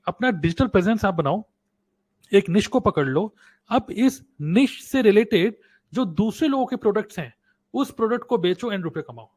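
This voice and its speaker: High-voiced man teaching a webinar, dry sound. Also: no room sound. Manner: repeats key points and asks viewers to type answers in chat. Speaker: webinar host and online business coach. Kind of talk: live webinar teaching in mixed Hindi and English. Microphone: desktop USB microphone.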